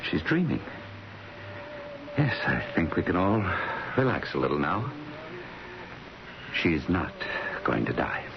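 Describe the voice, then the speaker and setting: An actor playing a calm, knowing family doctor in a 1970s radio drama, measured, authoritative and reassuring. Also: male voice, low voice, vocal fry, heavily acted. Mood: calm, explanatory. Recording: muffled, noisy old radio broadcast.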